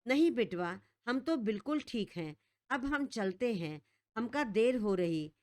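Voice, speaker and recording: A woman's voice: on the high side, animated, a little slow, a little mellow, dry recording. A woman voicing a flustered, gossipy older village aunt who talks in a rustic, fawning way. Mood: nervous, fawning. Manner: rustic dialect speech, nervous fawning.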